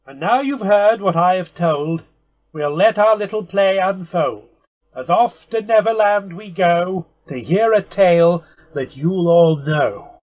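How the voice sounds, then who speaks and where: High-pitched man, wry comic presenter. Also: a little slow, darkish tone. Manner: wry, theatrical. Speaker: presenter introducing the show. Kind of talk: scripted comic introduction. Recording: slightly dull home video-call recording.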